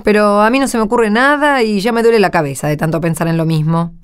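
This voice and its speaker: A woman's voice: medium pitch, fast talker, smooth, natural voice. Woman acting a modest, discouraged Argentine countrywoman. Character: modest, discouraged rural married woman neighbour. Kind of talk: radio drama dialogue.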